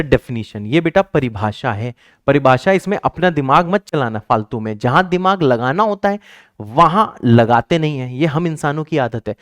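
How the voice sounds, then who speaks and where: A man's voice: fairly high pitch, fairly bright tone, dry recording, studio quality. A male math teacher giving an exam-prep lecture, emphatic and repetitive, raising his voice to stress points and teasing his students playfully.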